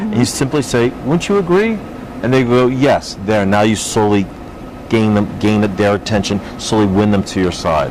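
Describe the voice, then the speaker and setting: Noticeable background noise sits behind a man's fairly low voice. He talks at a moderate pace. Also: ordinary pitch variation, very even loudness. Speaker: public speaker and author. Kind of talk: interview answer.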